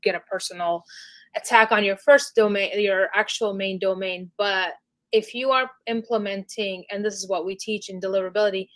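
A woman's voice: medium pitch, fairly even intonation, moderate pace, a bit bright, low-quality recording. A woman speaking as a guest expert in an interview, explaining in a casual, chatty way with lots of "you know" and "like". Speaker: email marketing specialist, guest.

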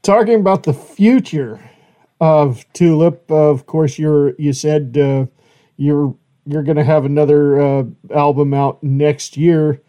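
A man with a mellow, darker voice that sits a touch high, hosting a relaxed interview. He drifts along with frequent "uh" fillers as he loosely puts his questions together. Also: takes it slowly. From Idaho, United States. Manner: easygoing, lots of "uh" fillers. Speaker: interviewer, show host. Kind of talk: casual interview.

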